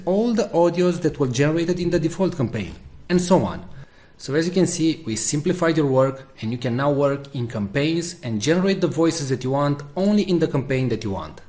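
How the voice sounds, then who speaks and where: A man presents a software tutorial over a screen share. His voice sits a little high, and he explains each step as an instructor would.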